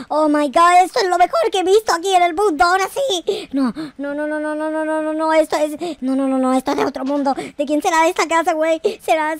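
A man voicing a naive, whiny, excitable young boy in a gaming roleplay, melodramatic and exclaiming, repeating his words. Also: very high voice, no room sound. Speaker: gaming video creator. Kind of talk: excitable gameplay roleplay in slangy speech.

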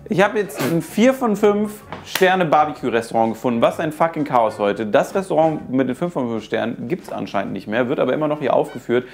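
A man's voice: mid-range voice, lively intonation, fairly quick, creaky, few pauses, soft background music. A man in his thirties chatting casually and jokingly in a food vlog, with slang and English phrases mixed in. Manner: jokey, exclamatory, slangy. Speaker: host of a food-testing video. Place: home kitchen, indoors.

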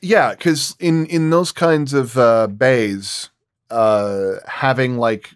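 A man's voice: mid-range voice, slow pace, clean tone, dry recording, clean studio sound. A man working as a sound designer explains his craft in detail in a roundtable discussion.

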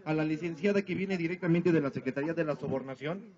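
A man's voice: fairly high pitch, over loud music. A silly party clown, a man, works an outdoor crowd over a handheld microphone. He is playful and showy, stretching out his announcements. The camera audio is dull and lo-fi. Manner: silly, playful clown showmanship with drawn-out calls for applause. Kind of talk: live children's party entertainment, running a contest on microphone. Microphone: handheld microphone over PA, filmed by distant camera.

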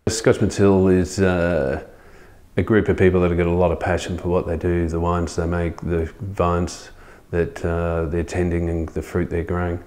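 A middle-aged man talking in a filmed interview as a winemaker, halting with many fillers, recorded in a tasting room. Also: sits low, flat delivery, darkish tone. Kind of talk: documentary interview. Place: indoor winery tasting room. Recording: music bed underneath.

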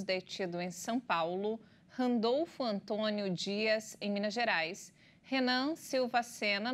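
A woman news anchor reading scripted headlines in a steady, measured way from a TV studio. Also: medium pitch.

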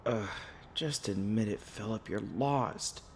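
A man's voice: on the low side, takes it slowly, slight background noise. A man playing an anxious, nerdy young college student in an audio roleplay, rambling and stammering self-consciously. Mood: self-reproaching. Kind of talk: naturalistic audio roleplay acting.

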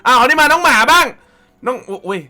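A man hosting a casual reaction video, excitable and full of exclamations and swearing. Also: extremely high pitch, fast. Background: background music.

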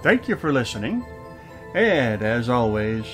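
A man's voice: mid-range voice, big pitch swings, measured pace, fairly bright tone, faint music behind. A man reading scripted credits as the announcer of a radio drama.

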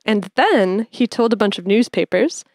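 A woman's voice: mid-range voice, lively intonation, normal speed, darkish tone, no room sound, studio quality. A woman interviewer asking curious questions and explaining history in a casual conversation.

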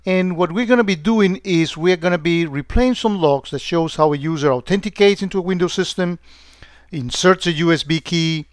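A man walking through a security software demo on screen, talking loosely with many "uh"s and restarts. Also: sits high, normal speed, no echo, clean studio sound. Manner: hesitant, many fillers and restarts.

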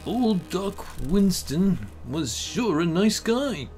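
A man's voice: high-pitched, very animated, takes it slowly, darkish tone, faint music behind, heavily acted. A man voicing a plain-spoken, sympathetic small-town undertaker in a horror comic reading, with a folksy drawl. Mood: glum, matter-of-fact.

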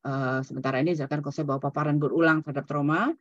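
Rapid-fire and deep-voiced, with fairly even intonation, a female psychologist gives an online seminar lecture over a video call. Her style is loose and conversational, with English terms mixed in and sentences tagged "gitu ya." The recording is dry, with the highs cut off.

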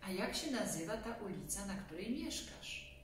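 A woman's voice: medium pitch, very animated, normal speed, pitched above the performer's own voice, lightly acted. A woman voicing a friendly, patient policeman in a storybook, speaking kindly as if to a small child. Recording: echoey room, distant mic, faint hum.

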